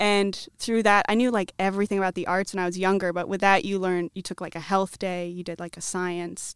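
On a very clean recording with a silent background and a dry, close sound with no echo, a woman with a Midwestern accent speaks very fast at a medium pitch with flat, monotone intonation. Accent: general American, Midwestern. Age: 20s. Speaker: guest working in theatre promotion. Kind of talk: casual chat.

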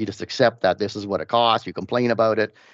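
A man speaks at a fairly quick pace. He has a normal speaking voice with a fairly low pitch. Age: 50s. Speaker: refrigeration engineer and trainer. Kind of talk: podcast interview.

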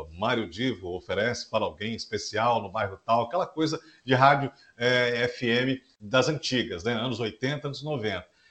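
A man with an ordinary speaking voice talks at medium pitch and a fairly slow pace, with ordinary pitch variation. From Minas Gerais, Brazil. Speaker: radio announcer and speaker. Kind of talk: casual interview chat.

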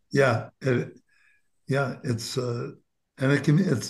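A man's fairly high voice comes out somewhat breathy. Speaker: touring bass player and singer-songwriter. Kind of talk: casual chat.

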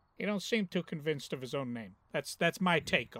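A man with a fairly high pitch and very wide pitch swings talks at a moderate pace, his loudness swinging widely in a dry, close sound with no echo. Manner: brash, wisecracking, tough-guy.

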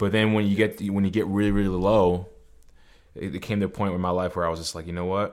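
A man's fairly low-pitched voice at a very fast pace, in monotone, flat intonation. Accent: slight Boston. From New England, Boston area. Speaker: personal trainer and fitness coach.

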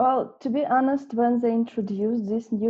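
Speaking with a Russian accent over noticeable background noise, a woman uses a fairly high pitch and fairly even intonation. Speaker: LGBTQ rights activist. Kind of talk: panel interview.

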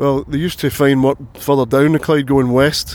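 A man with a Glaswegian accent talks fairly quickly at a medium pitch. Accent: Glaswegian Scottish. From Glasgow, Scotland. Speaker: Glasgow native of Irish ancestry. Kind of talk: casual interview.

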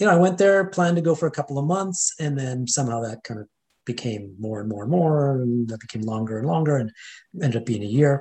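A man with a Canadian accent, somewhat breathy, medium in pitch, very fast and lively in intonation. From Edmonton, Alberta, Canada (Indian household). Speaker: yoga teacher, wellness entrepreneur. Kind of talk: interview. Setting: live stream.

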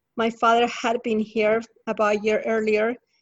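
The woman's intonation is monotone and flat. Her pitch is fairly high, and her pace is moderate. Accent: Spanish. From Colombia. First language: Spanish. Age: 50s. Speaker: accountant and wellness business owner. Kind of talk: interview.

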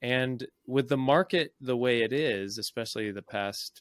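A man speaks at a medium pitch with ordinary pitch variation and an unremarkable speaking voice, recorded dry and close with no echo, very clean against a silent background. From US Midwest, Wisconsin. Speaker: software co-founder, land investor. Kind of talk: podcast interview.

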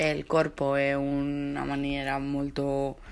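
This woman has a very deep, low pitch and speaks with a Spanish accent. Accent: Spanish-accented Italian. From Barcelona, Spain. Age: 20s. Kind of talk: casual interview answers.

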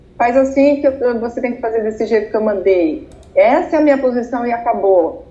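The intonation is lively, and noticeable background noise sits behind the voice. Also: woman. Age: 50s. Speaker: coach. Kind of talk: interview.

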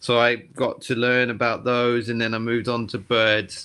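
A man with a southern English accent and a bright, sharp tone, at a fairly slow pace. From England, Cotswolds. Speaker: nature tour guide and conservationist. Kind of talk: casual interview.

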